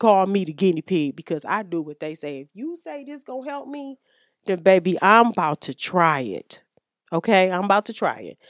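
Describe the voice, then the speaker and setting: On a very clean recording with a silent background, a woman with medium pitch speaks at a moderate pace in an animated tone, her pitch swinging very widely. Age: 50s. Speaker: podcast host. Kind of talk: casual monologue.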